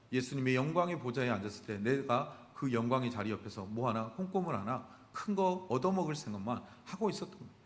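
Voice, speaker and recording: A man's voice: mid-range voice, big-room sound. A male pastor preaching a midweek sermon. He asks the congregation rhetorical questions and answers them himself. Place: church sanctuary.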